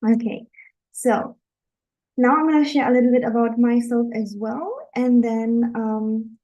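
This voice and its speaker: A woman's voice: fairly high pitch, steady tone, measured pace, a little mellow, lo-fi sound. A woman from Germany, a dating coach, speaking to viewers in an earnest, encouraging live webinar talk.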